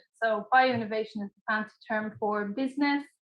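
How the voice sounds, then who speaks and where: Speaking in an Irish accent, a woman keeps a fairly high pitch, fairly even intonation, and a moderate pace. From Ireland, west. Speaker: PhD student. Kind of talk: lecture.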